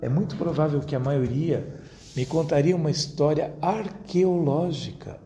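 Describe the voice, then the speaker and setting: A man giving an academic lecture to an audience at a university, speaking in a measured, rhetorical way and addressing his listeners directly. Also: a little high, warm tone. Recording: roomy echo, faint background noise.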